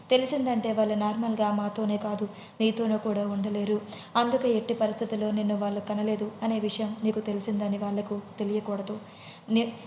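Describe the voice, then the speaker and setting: A gentle, protective young man, read by a woman storyteller speaks in a soft, reassuring tone. The delivery stays even and level with little rise and fall. The voice carries a roomy echo over a faint hum. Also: mid-range voice, natural voice. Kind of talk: audio story character voice.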